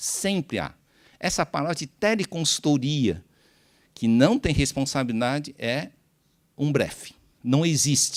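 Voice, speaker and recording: A man talks at a fairly slow pace with long, frequent pauses and a fairly high pitch. His intonation is lively, and the recording is very clean with a silent background. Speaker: physician and medical professor. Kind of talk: conference talk.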